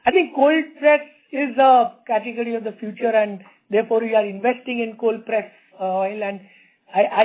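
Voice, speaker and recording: A middle-aged man with an Indian accent, an executive confidently answering questions on an earnings conference call, often repeating words as he explains. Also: high voice. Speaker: company executive. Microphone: conference call line. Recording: tinny narrow phone-line sound.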